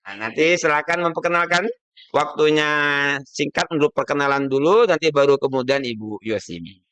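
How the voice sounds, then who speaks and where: Guy hosting a chat stream, bright forward voice, dry sound, chatty. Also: fairly high pitch, animated, normal speed, clear, resonant tone, no echo, lo-fi sound. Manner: chatty, repeats guests' words. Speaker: host. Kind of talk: informal live-stream hosting.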